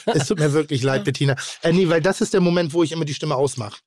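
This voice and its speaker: A man's voice: a little high, fast talker, darkish tone, no room sound, studio quality. A man co-hosting a podcast, rambling and self-mocking in casual banter. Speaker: podcast co-host.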